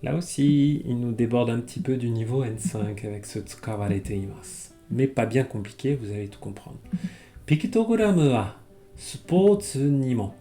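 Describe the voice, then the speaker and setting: Calm low-voiced teacher. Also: male voice, soft background music. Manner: reads Japanese slowly, then explains in French. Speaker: Japanese teacher. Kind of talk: language lesson reading a text aloud.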